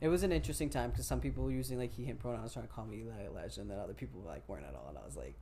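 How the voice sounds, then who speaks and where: A young man, talking casually as an interview guest and rambling with many fillers; his voice jumps higher when he gets excited. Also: very fast, crowd noise. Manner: rambling, heavy use of "like". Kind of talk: casual conversation.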